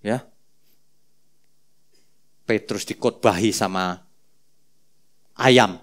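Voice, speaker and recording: A male pastor preaching a sermon with a lively, bouncy delivery that swings widely in pitch. His voice sits a little high for a man. He tells the story playfully, with many asides. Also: moderate pace.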